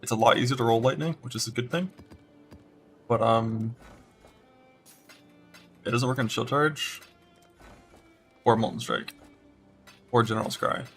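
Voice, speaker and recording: A man's voice: mid-range voice, measured pace, long pauses, soft background music. A man streaming a game, casually talking through build choices in a rambling way. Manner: rambling, many fillers and restarts. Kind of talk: casual gameplay commentary.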